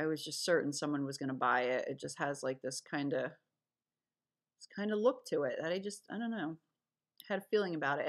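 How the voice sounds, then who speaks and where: A woman with a low-set voice talks casually over a screen recording, listing what she sold. She rambles a little, trailing off and correcting herself as she goes. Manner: chatty, rambling with fillers and self-corrections. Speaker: online reseller.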